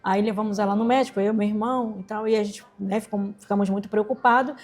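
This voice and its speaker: Animated woman. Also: medium pitch, quick pace. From Rocinha, Rio de Janeiro, Brazil. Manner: animated, acts out quoted voices. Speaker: interview guest, entrepreneur and singer. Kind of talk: emotional personal storytelling.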